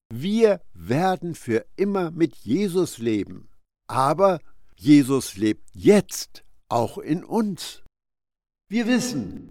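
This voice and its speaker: Guy preaching slow and emphatic, talks right at you, dry close sound. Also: mid-range voice, dark tone, no echo. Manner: emphatic, addresses the listener directly. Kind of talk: sermon-style Bible commentary.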